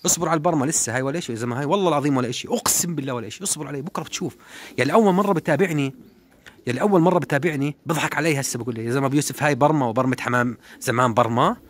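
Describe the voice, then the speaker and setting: Fast-talking man with his pigeons. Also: mid-range voice. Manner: animated, repeats words, calls and hisses at birds. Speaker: pigeon keeper vlogger. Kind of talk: casual running commentary while flying pigeons.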